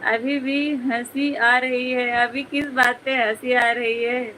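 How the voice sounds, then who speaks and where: A woman's voice: on the high side, flat delivery, slow, pushed and bright, a little hiss or hum, low-quality recording. A woman hosting a casual live stream, chatting with viewers, reading their comments aloud and teasing them by name, often breaking into giggles.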